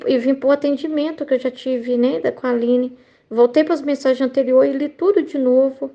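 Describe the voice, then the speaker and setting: A woman's voice: high-pitched, creaky, dark tone, dull audio. A Brazilian woman sharing an earnest, emotional personal faith testimony in a confiding, sometimes pleading way. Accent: Brazilian Portuguese. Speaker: Catholic faith sharer. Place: bedroom.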